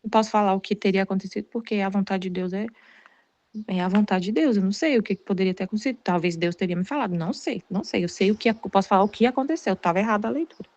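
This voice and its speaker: A woman's voice: medium pitch, racing, darkish tone. Rambling Brazilian woman, dull lo-fi sound. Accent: Brazilian Portuguese. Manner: rambling, many restarts and repeated words. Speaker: Catholic study group leader. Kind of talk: casual personal testimony.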